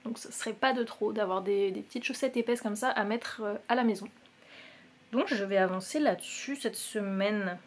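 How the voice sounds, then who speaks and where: A young woman with a French accent talks casually as a knitting vlogger. Her delivery is relaxed and full of fillers, with soft little asides under her breath. Her voice sits at an ordinary middle pitch. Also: normal speed. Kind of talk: casual chat.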